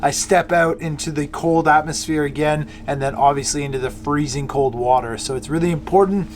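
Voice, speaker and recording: A man's voice: fairly high pitch, fairly quick. A man talking casually to camera as a vlog presenter, hesitating and correcting himself as he goes. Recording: music behind the voice.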